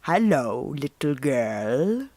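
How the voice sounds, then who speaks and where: A woman voicing an evil old man disguised as a wolf in a storybook reading, slow and falsely polite. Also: very deep voice, sing-song, warm tone, no echo, voice pushed down, heavily acted. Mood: sly, coaxing. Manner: slow, drawn-out, falsely courteous speech.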